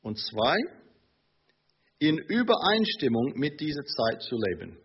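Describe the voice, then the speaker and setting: Preacher, male, lively pitch, muffled lo-fi sermon tape. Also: slightly rough. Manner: slow, emphatic preaching with rising intensity; hesitant fillers between phrases. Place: church in Munich. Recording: dull lo-fi sermon recording.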